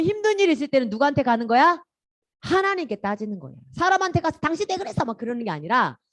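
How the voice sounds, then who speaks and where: A woman giving a children's sermon as a Sunday school teacher, animated and constantly quizzing the children. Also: a little high, no room sound.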